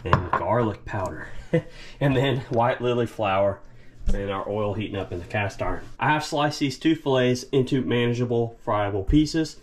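Guy doing a casual how-to vlog, normal pitch, noisy camera audio. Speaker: fishing and cooking vlogger. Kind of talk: casual instructional narration while working. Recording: noisy action-camera audio, outdoors and kitchen.

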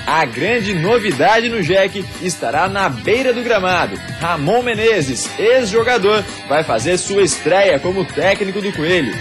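High-voiced male sports reporter over music. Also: animated, unhurried, few pauses. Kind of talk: scripted news narration.

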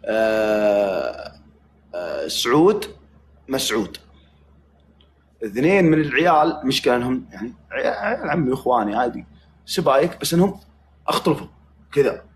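A man's voice: mid-range voice, sing-song, moderate pace, long pauses, a little hiss or hum. A man with a Saudi accent hosting a livestream, chatting casually with joking, mock-threatening banter. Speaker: livestream host.

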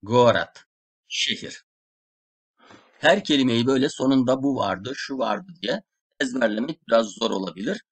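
A man's voice: mid-range voice, normal speed, breathy edge. A man with a Turkish accent teaching a beginner language lesson, patiently repeating each syllable and word so learners can follow. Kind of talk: slow lesson drilling syllables.

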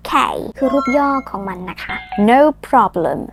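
A woman from Thailand, speaking, teaches English phrases in a playful, teasing way and drills slow, drawn-out pronunciation. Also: medium pitch, sing-song, creaky, music in the background. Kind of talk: lesson with repeat-after-me drills.

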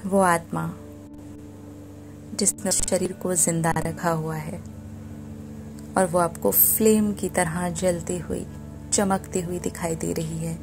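A woman guiding a meditation in a soothing, deliberate manner. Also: on the low side, fairly even intonation, vocal fry. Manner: soothing, deliberate, repetitive instruction. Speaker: meditation guide. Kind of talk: guided meditation narration. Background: background music.

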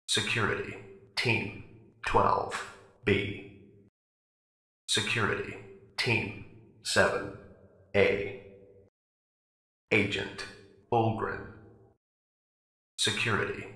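A man voicing an impersonal facility announcer, reading out clipped, formal, measured announcements over a public address speaker in a video game. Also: lowish voice, creaky, sharp tone, heavily acted. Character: impersonal male announcer of a secure research facility. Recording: echoey public address system.

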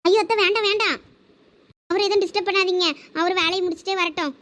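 A woman's voice: very high voice, flat delivery, very fast, fairly bright tone. A woman voicing an anxious, tearful young daughter-in-law in a village family skit. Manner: pleading, tearful.

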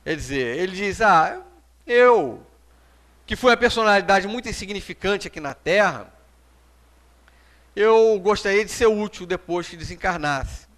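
High-voiced Brazilian man lecturing. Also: lively intonation, measured pace, pauses often, fairly bright tone. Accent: Brazilian Portuguese. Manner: conversational, often tags lines with "né?"; standing and gesturing while speaking. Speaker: speaker giving a public talk. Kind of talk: spiritist public lecture. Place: small lecture hall at a front desk.

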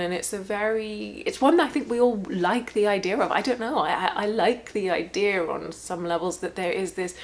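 A woman who works as a therapist, talking candidly at home in a rambling, reflective way with sarcastic asides. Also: mid-range voice. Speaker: therapist and channel host. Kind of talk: casual reflective monologue. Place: home room.

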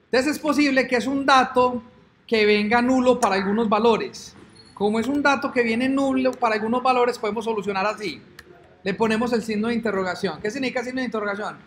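Man, very high voice, chatty programming teacher, desk mic, faint background hum. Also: fairly bright tone. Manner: chatty, thinks aloud, hums "ta ta ta" while waiting. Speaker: programming instructor. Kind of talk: screen-recorded coding lesson.

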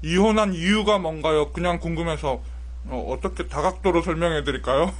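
A man's voice: on the high side, a little fast. A man in his thirties with his mouth full of rice, streaming a food broadcast and teasing his chat with sarcastic answers. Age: 30s. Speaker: mukbang streamer. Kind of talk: casual live-stream chat while eating.

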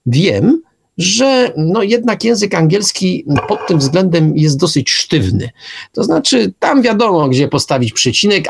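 A man's voice: a little high, creaky, husky. A man co-hosting a writing workshop radio show, talking casually and thoughtfully, with many hesitations. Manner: lively, musing, many fillers. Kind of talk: casual discussion on punctuation. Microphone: internet radio show microphone.

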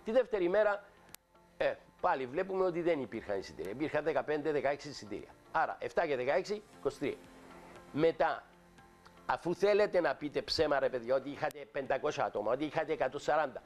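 Older Cypriot male guest, higher pitch, emphatic storyteller who acts out quotes. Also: lively intonation, faint music behind. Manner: indignant, emphatic, acts out dialogue. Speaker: guest actor. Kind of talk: animated storytelling on a talk show.

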